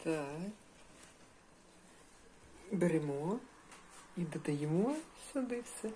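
A woman narrating a casual cooking vlog from her home kitchen, thinking aloud step by step at an unhurried pace. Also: deep voice, animated, warm tone. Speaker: home cook, channel host. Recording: kitchen cooking noise behind voice. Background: sizzling frying pan.

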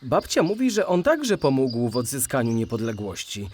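A man playing a curious, eager young male cartoon animal in a children's audio drama, inquisitive and expressive. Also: medium pitch, normal speed, a little hiss or hum.

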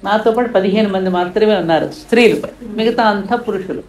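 A woman's voice: mid-range voice, fairly quick, darkish tone, roomy sound, slight background noise, rough recording. Impassioned older woman telling a story. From India. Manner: impassioned, rising to emphatic peaks. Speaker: guest speaker. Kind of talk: storytelling in an interview.

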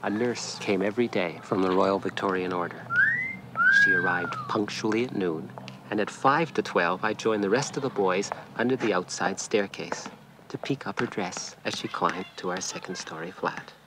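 A man's voice: on the low side, wildly swooping pitch, moderate pace, noisy background. A man narrating a scripted first-person story about his childhood.

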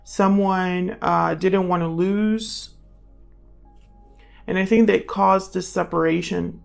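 A woman giving a casual tarot reading, thinking aloud and speaking straight to the listener in a conversational way, with gravelly vocal fry. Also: fairly low pitch, fairly even intonation, slow pace, faint music behind. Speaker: tarot reader, channel host.

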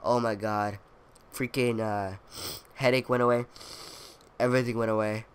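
A man's voice: fairly low pitch, little pitch movement, moderate pace, a little hiss or hum. A young man with a stuffy, congested voice and a cough, rambling casually over his gameplay commentary with lots of fillers and playful boasting. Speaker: gaming video creator.

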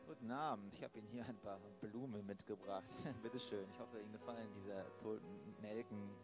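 A man playing a dry, world-weary police inspector with halting, ironic delivery in an improvised audio drama. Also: on the low side, fairly even intonation, over loud music, lightly acted. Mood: dry humour.

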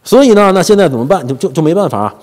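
Animated joking man. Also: on the high side, very fast. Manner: animated and joking, frequent laughter and stammered repeats. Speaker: commentary channel host. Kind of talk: casual commentary monologue. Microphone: lapel mic. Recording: long hall reverb.

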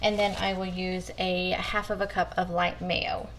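A woman's voice: lowish voice, little pitch movement, a little slow, noisy background. Chatty woman doing a kitchen vlog. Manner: chatty, talks to viewers as "you guys". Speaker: meal prep vlogger. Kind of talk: casual cooking walkthrough. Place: home kitchen counter.

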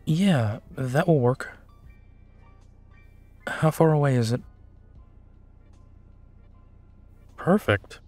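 A man's voice: medium pitch, lively intonation, slow, a little mellow, faint music behind. A man playing a big, tired, protective werewolf detective in an intimate, conversational audio drama, with a musing, sighing manner. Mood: gentle, tired. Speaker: voice actor in audio roleplay.

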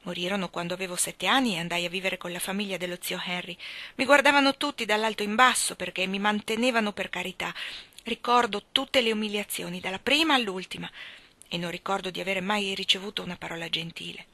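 A woman's voice: mid-range voice, fast, sharp tone, no echo. A woman reading aloud, voicing a bitter, lonely young woman who speaks in anguished outbursts. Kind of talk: audiobook character reading.

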